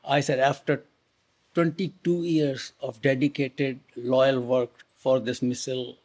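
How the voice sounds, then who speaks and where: A man's voice: medium pitch, little pitch movement, measured pace, a little mellow. A man in his seventies whose first language is Hindi, speaking earnestly in an interview, with hesitant fillers. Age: 70s.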